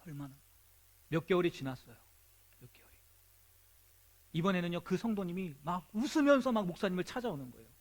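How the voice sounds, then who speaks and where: A man's voice: high voice, lively intonation, brisk, long pauses. A man preaching a sermon as pastor at a young adults' worship service, telling a story and asking his listeners many rhetorical questions.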